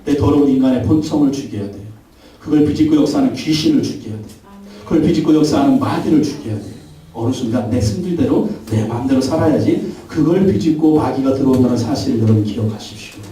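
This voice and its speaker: A man's voice: mid-range voice, fast, dark tone. A man preaching a Sunday sermon as pastor, emphatic, leading the congregation in call-and-response. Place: large church sanctuary. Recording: very echoey church hall, mic at a distance.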